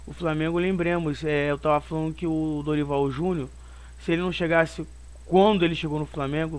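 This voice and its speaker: A hoarse man with a Brazilian Portuguese accent, hosting his own football channel and rambling opinionated commentary on a match, circling back on his points. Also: a little high. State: hoarse from a cold.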